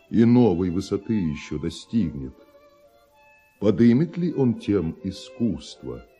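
An actor playing a brooding, envious composer in a radio verse tragedy, speaking in a solemn declamatory manner with weighty pauses. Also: male voice, deep voice, mellow. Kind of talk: theatrical verse monologue, classic Russian radio play.

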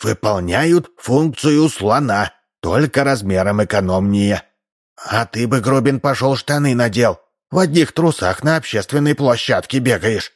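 A man's voice: mid-range voice, expressive, unhurried, voice pushed up. A man reading an audiobook, voicing a prim old woman who scolds the neighbours.

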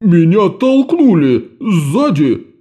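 A man's voice: high-pitched, very animated, takes it slowly, warm tone, voice pushed up, full character voice. A man voicing a fussy, indignant portly middle-aged clerk in an audiobook. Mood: flustered. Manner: blustering, huffy.

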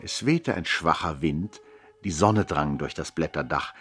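An actor playing a man who looks back on his childhood with his brother, narrating a literary radio play in a measured, expressive way. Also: extremely low pitch, soft background music. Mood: reflective. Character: reflective adult brother recounting childhood memories.

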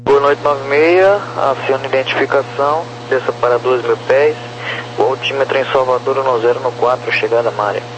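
A man's voice: mid-range voice, moderate pace. A Brazilian man giving procedural air traffic instructions over aviation radio. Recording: muffled noisy radio with hum.

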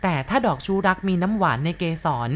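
A woman calmly narrating a first-person story as an audiobook reader, in a measured storytelling manner. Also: lowish voice, slight background noise.

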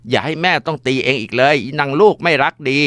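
A man's voice: medium pitch, pushed and bright, no room sound, studio quality, pitched above the performer's own voice. A shaking, bitter mother, as a man puts her on. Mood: furious. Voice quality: trembling, bitter. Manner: slow scolding then pleading. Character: furious grief-stricken older mother.

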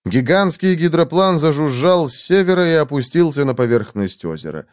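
Lively male audiobook narrator. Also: fairly high pitch, normal speed, no room sound, studio quality. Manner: lively, expressive reading.

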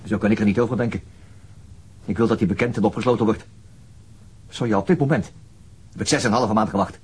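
An actor playing a sober, determined police detective in a radio crime drama, terse and matter-of-fact, with a husky voice. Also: male voice, lowish voice, quick pace, a little mellow. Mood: firm, weary.

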